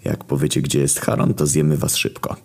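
A man voicing a calm, hungry crocodile boss who threatens in a quiet whisper. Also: a bass voice, a little fast, creaky, breathy edge, heavily acted. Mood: menacing.

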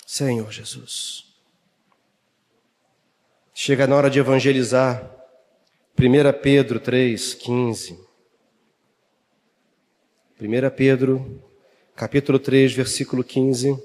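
A man preaching a fervent sermon, swinging from shouts to hushed tones. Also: mid-range voice, little pitch movement, takes it slowly, long pauses. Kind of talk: lively sermon. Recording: long reverb of a church hall.

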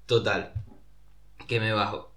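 A man's voice: on the low side, steady tone, slow pace, pushed and bright, echoey room. A young man with a Canarian accent, co-hosting a podcast and telling a long anecdote in casual, rambling chat full of fillers. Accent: Canarian Spanish. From Canary Islands. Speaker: podcast co-host.

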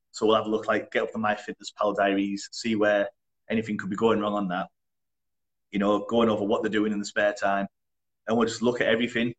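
Low-voiced man, chatty and blunt. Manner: relaxed, chatty, laughs often, blunt wording. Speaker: personal trainer. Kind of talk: casual interview.

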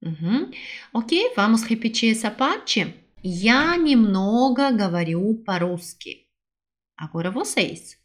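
A young woman leads a language lesson with a fairly high voice. She speaks slowly and carefully, and her pitch rises and falls a lot as she repeats each phrase and then explains it in a second language. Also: big pitch swings. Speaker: language teacher.

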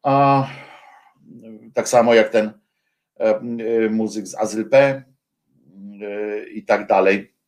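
A man hosting a radio show, talking in a halting, reflective way with many filler sounds between songs. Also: on the low side. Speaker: radio host.

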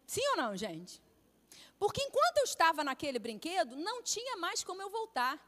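Brazilian woman preacher, middle-aged, high voice, animated storyteller, reverberant hall. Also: brisk. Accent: Brazilian Portuguese. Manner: storytelling, animated with acted-out quotes. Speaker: pastor's wife preaching. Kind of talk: sermon.

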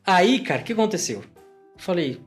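A man tells a personal story in casual podcast chat, his voice sitting a little high for a man. He talks with feeling, acts out the lines of the people in his story, and keeps dropping in casual fillers. Soft guitar music plays quietly behind him. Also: big pitch swings, normal speed, slightly rough. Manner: emotional storyteller who peppers speech with "cara" and acts out dialogue.

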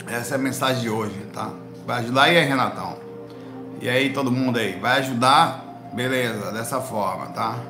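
A man with a Pernambuco accent from northeast Brazil, telling stories to camera in animated, slangy bursts. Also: medium pitch, echoey room. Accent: Pernambuco Portuguese. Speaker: spiritual vlogger answering viewers. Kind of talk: casual talk to camera. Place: indoor room with a light behind him.

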